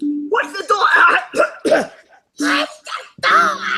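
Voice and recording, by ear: The put-on character voice is croaky and high-pitched.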